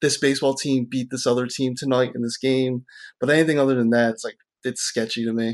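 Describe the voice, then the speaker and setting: At a very fast pace, a man speaks in a flat monotone at a medium pitch. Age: 30s. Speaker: podcaster. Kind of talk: casual chat.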